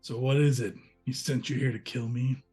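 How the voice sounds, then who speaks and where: A man's voice: medium pitch, steady tone, normal speed, mellow, slightly rough, soft background music, natural voice. A man voicing a wary, defensive goblin in a tabletop game, guarded and challenging. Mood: suspicious. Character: wary, defensive male goblin with glowing eyes. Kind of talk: tabletop role-play character voice.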